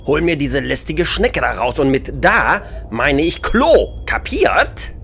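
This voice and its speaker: A man playing an irritable, bossy spaceship captain in a comedy audio drama, gruff, sarcastic and commanding. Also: on the high side, big pitch swings, slow pace, a bit bright, a little hiss or hum, full character voice. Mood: irritated.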